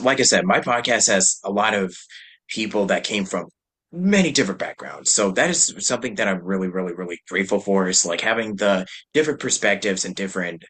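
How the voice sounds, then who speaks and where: A man hosting a podcast chats casually, rambling loosely and laughing easily. His voice sits low, with a husky, slightly bright quality.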